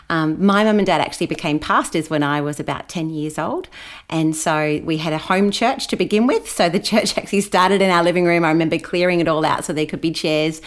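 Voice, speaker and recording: A woman from New Zealand, talking as a guest in a casual interview and laughing often. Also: fairly low pitch. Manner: chatty and laughing.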